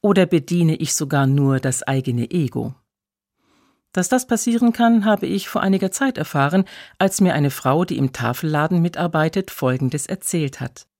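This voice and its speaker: Measured preacher with a dry sound. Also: medium pitch, darkish tone, no echo. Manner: measured, slows down to stress key phrases; reads scripture solemnly. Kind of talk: scripted radio devotional.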